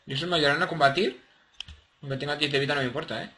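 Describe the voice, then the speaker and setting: A man, excitable and playful in casual gameplay commentary. His voice sits a little high and sounds very bright and cutting. He keeps cooing at his little creatures. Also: racing.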